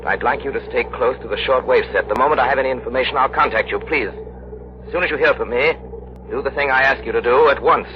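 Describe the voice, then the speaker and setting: An actor playing a calm, commanding crime-fighting detective in a 1930s radio drama. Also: male voice, medium pitch, loud music behind the voice, natural voice. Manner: authoritative, measured. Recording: hissy muffled 1930s radio broadcast.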